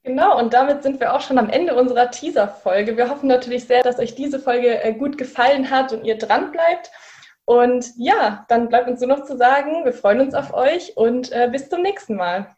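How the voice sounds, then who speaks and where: A woman of twenty co-hosting a podcast in relaxed casual chat, with frequent fillers. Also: sits high, moderate pace, lo-fi sound. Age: 20s. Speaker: podcast co-host.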